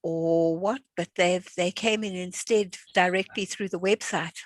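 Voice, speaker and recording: A woman's voice: lowish voice, fairly even intonation, unhurried, no echo. An older woman at home chatting as the instructor of an online class over a video call, friendly and full of fillers and restarts. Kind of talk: casual chat before an online class.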